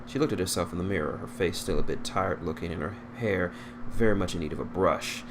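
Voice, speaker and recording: A man's voice: low-pitched, brisk, noisy background. A man reading a story aloud as narrator, now and then stumbling and rereading a phrase. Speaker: fan fiction reader.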